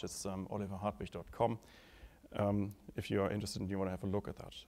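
A man with a German accent talks very fast at a fairly low pitch. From Germany. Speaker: policy researcher. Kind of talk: conference talk. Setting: stage with audience. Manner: hesitant with frequent fillers. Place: hall. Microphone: podium.

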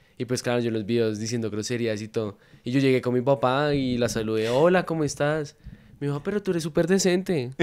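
At a fairly quick pace, a normal speaking voice carries lively intonation. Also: man, medium pitch for a man. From Colombia, Boyacá; Colombia. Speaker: podcast co-host. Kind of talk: casual chat. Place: studio. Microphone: studio mic.

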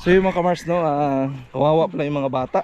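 Light background noise can be heard. A man is speaking. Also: dry sound with no echo. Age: 30s. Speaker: vlogger. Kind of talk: vlog walkthrough. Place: open country. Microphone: phone near.

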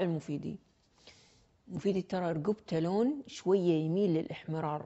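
At a moderate pace, a woman with a Kuwaiti accent talks in a medium pitch with ordinary pitch variation. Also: quiet background. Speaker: TV presenter and arts critic; TV presenter. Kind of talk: casual talk-show commentary. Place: studio. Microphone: lapel.

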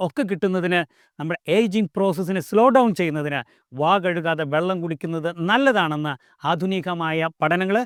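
The recording is very clean with a silent background and a dry, close sound with no echo, carrying a man's high-pitched voice with ordinary pitch variation. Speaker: beauty and health vlogger. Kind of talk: tutorial.

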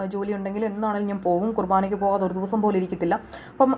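A woman speaks over noticeable background noise. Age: 30s. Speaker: college teacher giving faith testimony. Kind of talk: testimony.

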